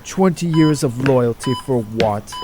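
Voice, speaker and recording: A man's voice: mid-range voice, a little slow, lightly acted. A man voicing a weary, embittered middle-aged doctor in an audio drama, downcast and dramatic. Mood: defeated, bitter. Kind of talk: amateur audio drama acting.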